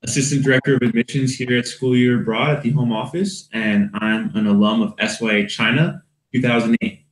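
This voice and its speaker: A man's voice: mid-range voice, fairly even intonation, brisk, roomy sound, low-quality recording. A man introducing himself as an admissions staffer, plain and businesslike. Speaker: assistant director of admissions. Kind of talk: brief self-introduction.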